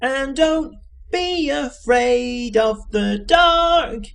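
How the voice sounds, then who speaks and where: Man putting on a high, chirpy ship computer. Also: vocal fry, fairly bright tone, soft background music, full character voice. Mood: wailing croon. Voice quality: nasal, whining singsong. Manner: chirping, crooning, drawn-out delivery. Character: cheerful, chirpy male ship's computer, breezily oblivious. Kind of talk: audiobook character voice.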